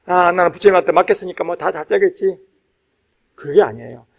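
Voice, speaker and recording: A man, a Buddhist monk, preaching to a congregation in an emphatic, exhortative way, repeating key phrases and pausing for weight. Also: sits high, lively intonation, vocal fry. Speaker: Buddhist monk giving a dharma talk. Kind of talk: sermon to a live congregation.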